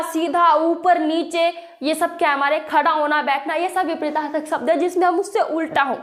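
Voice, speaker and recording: A woman's voice: very high-pitched, echoey room. A young woman teaching a casual grammar lesson, explaining with rhetorical questions and checking in often.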